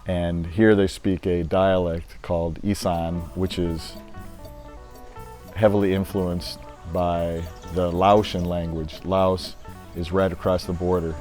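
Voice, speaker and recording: A man's voice: low-pitched, little pitch movement, takes it slowly, a little mellow, soft background music. An older man, recently retired, talking casually to camera in a rambling, easygoing way with many fillers. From United States. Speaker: vlogger.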